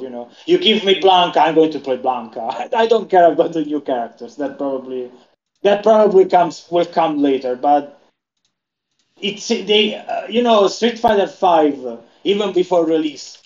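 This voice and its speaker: A man with a slightly raised voice, chatting loosely and often restarting his sentences. His voice carries a clear echo from the room, and the audio sounds dull and lo-fi. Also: fairly high pitch, a little mellow. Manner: rambling, with frequent restarts. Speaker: podcast co-host. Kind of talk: casual gaming chat.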